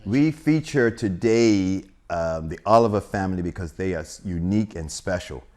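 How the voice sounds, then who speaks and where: Male interviewer, lowish voice, friendly and chatty. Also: animated, a little mellow. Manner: friendly, prompting questions, quick to laugh. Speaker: sports show host. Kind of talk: interview hosting.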